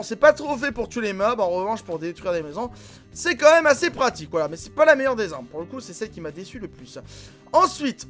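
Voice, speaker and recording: A man hosting a gaming channel, commenting casually and excitably on gameplay, filling his talk with voilà and hein. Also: sits high. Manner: excitable, filler-heavy, frequent voilà and hein. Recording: game music clearly behind voice. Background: background music and in-game explosions.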